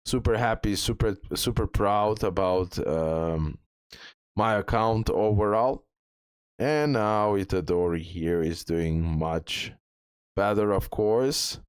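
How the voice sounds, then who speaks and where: Low-voiced man doing game commentary. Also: slow, clean tone, dry recording, studio quality. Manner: repeats phrases for emphasis. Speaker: gaming video creator. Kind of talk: casual game walkthrough commentary.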